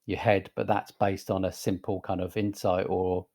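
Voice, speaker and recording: A man in his forties with a softened northern English accent, a guest talking casually in a podcast interview, relaxed and hesitant, with many fillers and restarts. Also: deep voice, moderate pace. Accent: Northern English, softened by southern England. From northern England. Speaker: guest, creative director.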